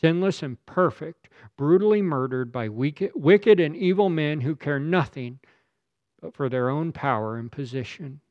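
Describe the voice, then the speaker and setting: A man's voice: fairly high pitch, animated, a little slow, no echo. A man preaching a sermon in a dramatic, emphatic way, building his points through rhetorical questions. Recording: slightly dull lo-fi recording.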